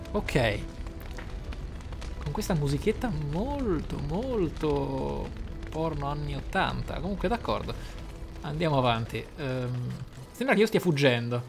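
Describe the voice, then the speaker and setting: A man commentates casually on a role-playing game. He muses aloud in an amused way, as if thinking for his character, while music plays clearly behind his voice. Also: fairly high pitch. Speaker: let's play host.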